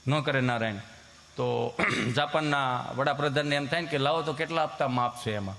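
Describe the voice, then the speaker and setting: A man, telling jokes and folk stories on stage in a lively, playful way. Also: mid-range voice, a little fast, vocal fry. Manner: lively, jokey folk storytelling with acted voices. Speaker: stage comedian. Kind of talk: stage comedy storytelling. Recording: reverberant hall with faint hiss.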